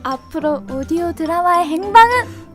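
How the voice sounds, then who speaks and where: A woman's voice: very high voice, expressive, normal speed, soft background music. A young woman presenting a playful question-and-answer segment on student radio. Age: young adult.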